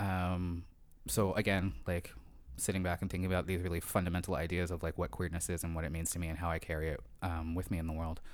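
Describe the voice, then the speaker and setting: Speaking with a Philadelphia accent, a man talks at a very fast pace. His voice is very deep and low, with fairly even intonation. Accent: Philadelphia American. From US, Philadelphia area. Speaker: queer activist and burlesque performer. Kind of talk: casual chat.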